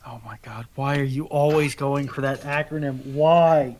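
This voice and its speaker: A man's voice: medium pitch, steady tone, normal speed, darkish tone, slight background noise. A man bantering casually as a panelist on a live stream, wry and mock-exasperated.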